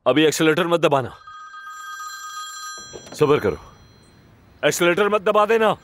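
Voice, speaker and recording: A middle-aged man voicing a patient husband who coaxes and calms others in a dubbed TV drama. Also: on the high side, unhurried, a little hiss or hum. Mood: coaxing. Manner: coaxing, soothing.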